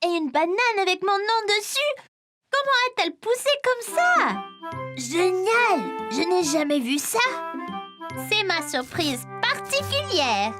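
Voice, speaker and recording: A very high, childlike preschool boy, speaks with lively swings and an unhurried pace. He is eager and excitable in cartoon style, over children's music. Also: exaggerated voice. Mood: delighted, curious. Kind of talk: French-dubbed children's cartoon acting. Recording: music behind the voice.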